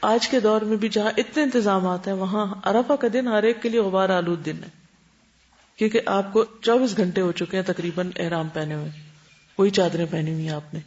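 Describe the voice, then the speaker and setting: Female religious teacher, explanatory lecture, asks quick check questions, muffled lo-fi sound. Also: medium pitch, a little mellow. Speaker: Islamic teacher. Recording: dull lo-fi recording.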